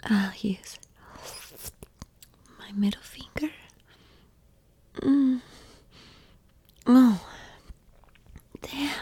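A woman whispers very slowly in a breathy, mellow voice, soft and coaxing throughout. The sound is close and dry, with no room around it. She keeps her tone steady and reassuring in an intimate roleplay. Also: sits high, dry recording.

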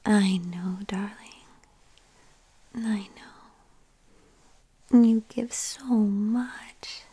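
A woman whispering softly and tenderly into a close mic in an intimate ASMR roleplay. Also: mid-range voice, very slow, slightly rough. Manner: tender, soothing.

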